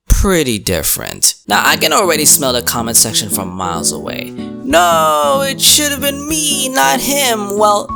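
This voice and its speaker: A man's voice: medium pitch, vocal fry. A man narrating a comedic scripted story recap in a sarcastic, crude, sweary way. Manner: sarcastic, crude, swearing, puts on character voices. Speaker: YouTube manga recap narrator.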